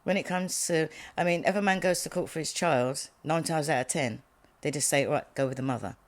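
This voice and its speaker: A woman's voice: low-pitched, normal speed. A woman guest in a casual interview, blunt and opinionated.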